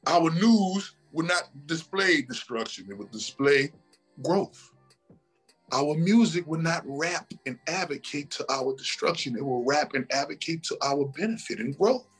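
A man's voice: fairly high pitch, expressive, measured pace, a bit bright, slightly rough, soft background music. A man talking as a podcast guest, preachy and emphatic, often repeating himself and asking "right?". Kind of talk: casual motivational talk.

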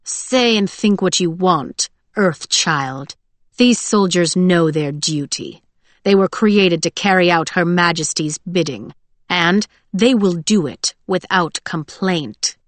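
A woman's voice: on the low side, lively intonation, slow pace, no echo. Woman acting a cold, haughty male official. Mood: contemptuous.

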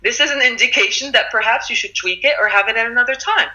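A woman's voice: fast, highs cut off. A woman from Morocco, an author speaking earnestly and encouragingly in a casual interview. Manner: earnest and encouraging, animated rises in pitch. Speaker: author and guest.

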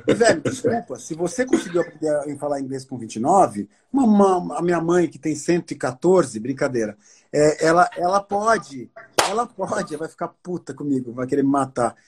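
A man on a live podcast as the guest, talking in a slangy, joking, excitable way. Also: fairly high pitch, moderate pace, a little hiss or hum. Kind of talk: casual live chat.

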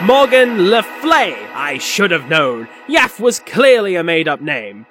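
An actor playing an indignant, pushy older character with an emphatic, exasperated manner in a comic pantomime. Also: male voice, high-pitched, sing-song, slow, music in the background, exaggerated voice. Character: indignant, pushy father and scriptwriting storyteller. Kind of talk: pantomime audio comedy.

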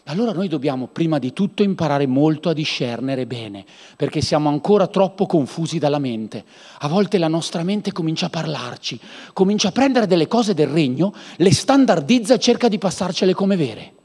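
A man preaching a lively sermon, acting out people in comic voices. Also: normal speed, breathy edge. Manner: animated, mimics people in high comic voices. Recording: long hall reverb.

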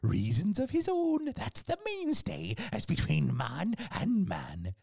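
A woman voicing an old male castaway, cunning and eager, with a raspy voice and a sing-song rustic way of talking. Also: wildly swooping pitch, takes it slowly, darkish tone, no room sound, clean studio sound, full character voice. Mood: wheedling. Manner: sing-song rustic speech with wild pitch swings. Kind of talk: audiobook character voice.

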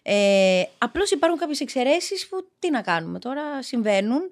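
A Greek actress chatting as a podcast guest, telling stories in a lively way and acting out what people said. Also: female voice, high-pitched. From Greece. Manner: lively storyteller, acts out quotes. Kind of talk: casual podcast chat.

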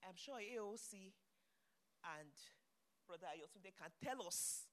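A middle-aged woman preaching a sermon, moving between soft asides and loud, emphatic exclamations. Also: medium pitch, lively intonation, unhurried.

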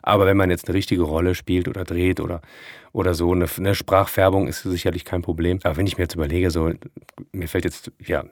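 Deep-voiced man in a relaxed interview. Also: a little fast, no room sound, studio quality. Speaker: podcast guest, actor and voice actor. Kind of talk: casual interview chat.

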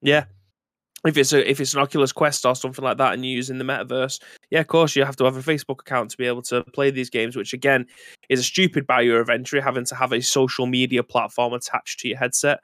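A man's voice: mid-range voice, little pitch movement, fast, a bit bright, no room sound, studio quality. A man co-hosting a video game podcast in casual chat, rambling and correcting himself as he thinks aloud. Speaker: podcast co-host.

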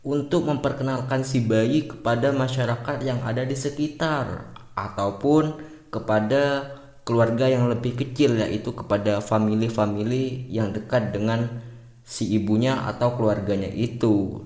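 A man's voice: mid-range voice, darkish tone. A man with a Javanese accent and a slight Madurese lilt, hosting a casual podcast monologue. He talks in a chatty, joking way and often asks himself questions and answers them. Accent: Javanese with Madurese touches. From Java. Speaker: podcast host. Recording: roomy echo with faint music behind.

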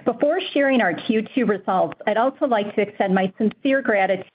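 Measured woman reading financial results. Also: medium pitch, narrow, tinny audio. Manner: measured, formal reading of figures. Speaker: finance executive on earnings call. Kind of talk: scripted financial report.

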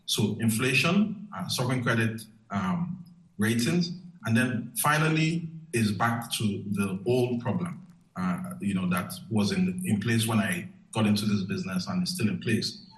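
A man on a panel, answering with halting phrases and many fillers. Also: lowish voice, lively intonation, reverberant, rough recording.

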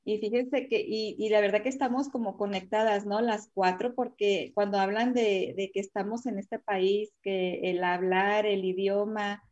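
A woman's voice: medium pitch, steady tone, measured pace, hardly any pauses, a little mellow, dull audio. A woman hosting a casual panel chat, chatty and full of fillers and exclamations. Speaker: host.

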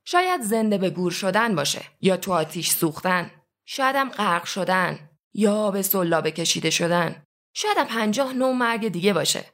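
A cold, methodical interrogator who speaks in a measured, lecturing way, as a woman narrator reads him. His menace stays quiet and controlled, like an audiobook character rather than a fully acted role. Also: mid-range voice, sing-song. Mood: cold, menacing.

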